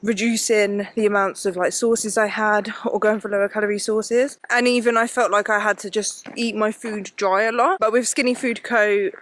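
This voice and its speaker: A woman's voice: medium pitch, steady tone, normal speed, few pauses, fairly bright tone. A woman vlogging while walking uphill outdoors, chatty and rambling, full of fillers, audibly out of breath. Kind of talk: casual chat while walking. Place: outdoors on a hill walk.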